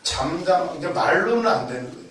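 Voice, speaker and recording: High-voiced preacher man, very echoey. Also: a little fast. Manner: animated storytelling, acting out quoted voices and shouts; repeats key words for emphasis. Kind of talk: sermon. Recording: very echoey, mic far off.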